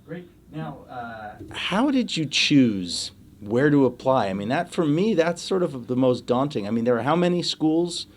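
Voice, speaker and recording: A man hosting a radio talk show, interviewing guests in a relaxed, friendly way with easy fillers. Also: medium pitch, measured pace, few pauses.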